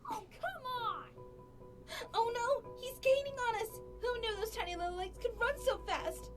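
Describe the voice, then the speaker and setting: A woman's voice: very high voice, moderate pace, over music. A woman voicing a boastful, theatrical cartoon villainess who is pompous and dramatic. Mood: frantic. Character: boastful, theatrical female villain, great and powerful. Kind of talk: dramatized cartoon parody dialogue.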